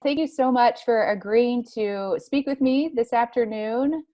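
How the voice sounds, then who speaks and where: Gentle, formal woman interviewer. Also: fairly high pitch, measured pace, highs cut off. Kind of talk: introducing and interviewing a guest.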